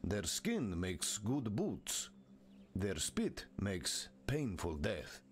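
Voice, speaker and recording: Low, slow, gruff tribal trader. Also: male voice, wildly swooping pitch, a little hiss or hum, heavily acted. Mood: gruff, guarded. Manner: terse, simple phrasing. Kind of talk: video game character acting.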